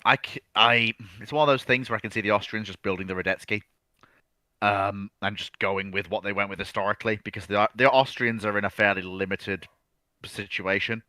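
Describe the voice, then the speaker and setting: A man's voice: fairly low pitch, fairly even intonation, brisk, sharp tone, no room sound. A man co-hosting an unscripted question-and-answer chat, opinionated and emphatic, thinking aloud and correcting himself as he goes. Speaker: co-host of a naval history livestream.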